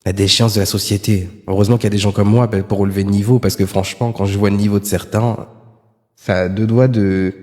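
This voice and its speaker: A man streaming live, tossing out sarcastic, rambling remarks full of hesitations. His voice sits a little low, and it rings with a long reverb as if the room were large and bare. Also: little pitch movement, fast talker, darkish tone. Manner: sarcastic, rambling, many fillers. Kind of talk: live reaction commentary.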